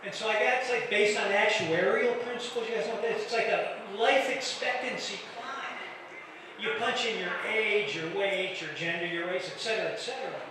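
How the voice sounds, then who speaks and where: A man's voice: high voice, brisk. A middle-aged or older man from the Detroit area doing a stand-up set, stammering through restarts and teasing the crowd. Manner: self-deprecating, stammering restarts, banters with the crowd. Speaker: stand-up comedian. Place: comedy club stage. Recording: echoey club from far off, crowd noise.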